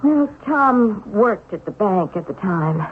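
Anxious soothing wife, earnest, mid-pitched, vintage radio drama, phone-like old recording. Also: female voice, lively intonation, slow. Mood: concerned. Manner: earnest, reassuring. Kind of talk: 1970s radio drama acting. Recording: narrow-band old radio recording, faint noise.

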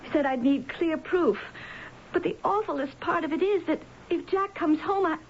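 An actress playing a frightened, trapped young wife in a radio drama, anxious and halting as she pleads. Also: very high voice. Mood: desperate. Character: frightened, trapped young wife, Anna, fleeing violent husband. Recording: dull, noisy vintage radio broadcast.

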